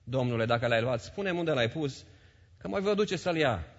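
A man voicing a grieving woman who pleads to know where a body was taken, with a polite, gentle manner. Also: mid-range voice, expressive, long reverb tail, dull audio. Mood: pleading.

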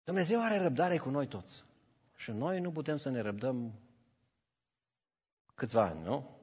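A man's voice: medium pitch, slightly rough. A man preaching a sermon, telling stories and acting out the voices in them, with English phrases mixed into his preaching. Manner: animated storytelling, acts out voices in anecdotes. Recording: dull audio with long church reverb.

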